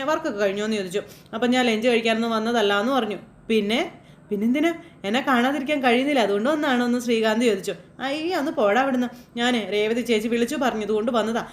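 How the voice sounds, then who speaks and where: A woman's voice: a little high, reverberant. A woman casually retelling a serial episode in a chatty way, speaking directly to the listener. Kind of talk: casual spoken story recap.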